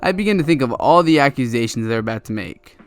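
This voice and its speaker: Fast and animated, a young man with a mid-range voice reads online stories in a casual style. He laughs and stumbles through asides, with soft background music running under his narration.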